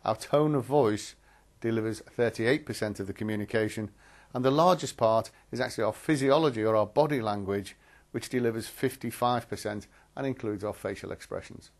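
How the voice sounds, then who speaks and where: A man presenting a training film in a measured, articulate, instructive way, as scripted narration. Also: on the low side.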